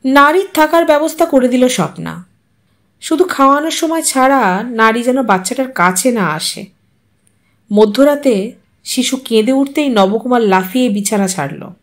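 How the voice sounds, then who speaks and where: A woman narrating an audio story with an expressive, dramatic reading. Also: sits high, normal speed.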